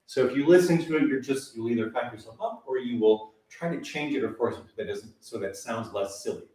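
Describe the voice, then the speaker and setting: Calm male voice teacher, echoey room. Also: mid-range voice, a little fast, recorded from a distance. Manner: calm, coaching, demonstrates sighs and sung vocal exercises. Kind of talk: live online vocal warm-up lesson. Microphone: camera mic at a distance.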